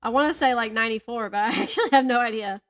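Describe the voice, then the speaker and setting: A woman in her thirties with a fairly high voice co-hosts a book podcast. She talks in a casual, chatty way, gushing and giggling as she goes. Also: racing. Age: 30s. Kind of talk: casual chat about books.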